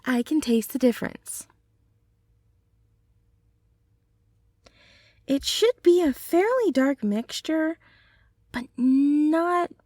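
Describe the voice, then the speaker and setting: A woman playing a gentle, affectionate young centaur girlfriend in an ASMR roleplay, speaking softly and tenderly in an unhurried ramble. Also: high-pitched, no room sound, studio quality, exaggerated voice. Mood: gentle, instructive.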